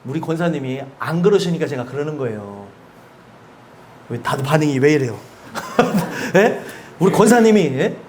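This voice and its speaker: A male pastor preaching a sermon in a church, animated, asking the congregation questions and laughing between points. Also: fairly high pitch, moderate pace, a little hiss or hum. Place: church sanctuary.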